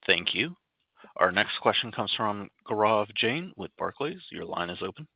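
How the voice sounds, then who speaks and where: A man's voice: on the low side, big pitch swings, normal speed, breathy edge, no room sound. A man working as a conference call operator, reading scripted instructions and introductions. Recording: slightly dull phone line.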